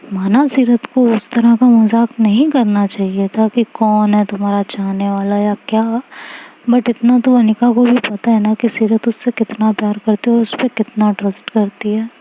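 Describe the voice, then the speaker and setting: A woman's voice: mid-range voice, fairly even intonation, moderate pace, dark tone, a little hiss or hum, natural voice, rough recording. A woman voicing an outspoken young woman who lectures and scolds her friends. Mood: lecturing. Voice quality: scolding, emphatic.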